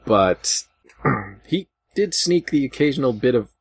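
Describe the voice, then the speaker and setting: A man chatting casually as a podcast host, halting and digressive, dropping wry asides as he explains. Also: mid-range voice, lively intonation, creaky, slightly rough. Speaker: podcast host discussing video games. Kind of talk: casual chat.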